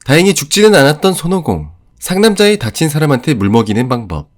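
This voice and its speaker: A man's voice: a little high, big pitch swings, fast talker, very noisy. A man giving scripted narration for an anime story recap.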